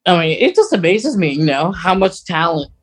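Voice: medium pitch, sing-song, moderate pace. A podcast co-host chatting casually about a radio drama, explaining things in a rambling, hesitant way.

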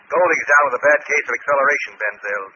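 An actor playing a determined, respectful young rocket engineer pleading with earnestness in 1950s radio drama style. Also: male voice, medium pitch, fast, bright, forceful tone. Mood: earnest, nervous. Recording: noisy, dull 1950s radio recording.

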